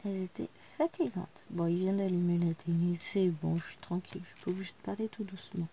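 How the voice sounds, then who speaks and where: A woman's voice: fairly low pitch, quick pace, a little hiss or hum. A woman in her thirties, a vlogger chatting casually to the camera while she works on a craft at home. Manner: chatty, talking quietly to the camera while working. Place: living room at home.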